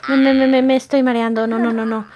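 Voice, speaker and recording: A woman's voice: fairly high pitch, little pitch movement, fast talker, lo-fi sound, over a noisy crowd, close to an everyday voice. A woman playing a jumpy young woman in an improvised game roleplay, stammering and repeating words when startled. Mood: jittery, flustered. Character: jumpy young woman, easily frightened and fussy. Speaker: roleplay channel host.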